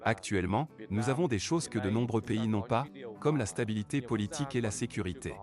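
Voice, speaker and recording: A man's voice: fairly low pitch, animated, brisk, natural voice. A man reading a scripted voice-over translation of an interview for a news report. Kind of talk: scripted French voice-over of a travel blogger's interview. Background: background music.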